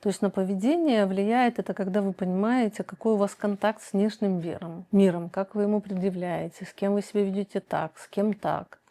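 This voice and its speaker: Mellow-voiced woman giving slow, measured advice. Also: mid-range voice, steady tone. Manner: slow, deliberate, many pauses and hesitations; reads viewer questions aloud, then answers directly. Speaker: psychoanalyst answering viewer questions. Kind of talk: calm measured advice monologue.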